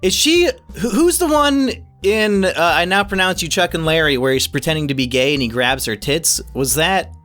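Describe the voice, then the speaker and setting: Midwestern guy hosting a movie podcast, a bit high voiced, teasing and hyped, music faint behind. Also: animated, fairly bright tone. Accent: Midwestern American. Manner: hyped, teasing, quick to laugh. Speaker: podcast host. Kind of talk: casual podcast banter.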